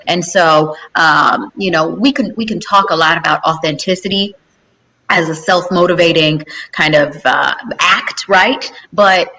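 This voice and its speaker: A woman's voice: fairly low pitch, unhurried, bright, forceful tone, rough recording. A woman on a panel speaking candidly and reflectively. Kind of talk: panel discussion.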